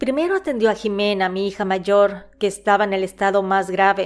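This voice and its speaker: Music plays behind a woman speaking at medium pitch. Her tone is dramatic. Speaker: storyteller narrating a subscriber's story. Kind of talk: scripted narration of a ghost story. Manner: hushed, suspenseful, slow and somber; dramatic, first-person and emotional.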